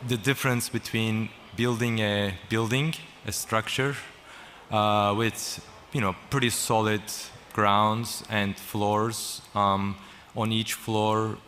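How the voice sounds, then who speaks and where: A man from Turkey speaking as a panel guest at a conference, slow and halting with many ums and restarts. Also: on the low side, flat delivery, fairly bright tone. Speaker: panel guest, company founder. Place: conference stage. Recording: large hall with faint noise.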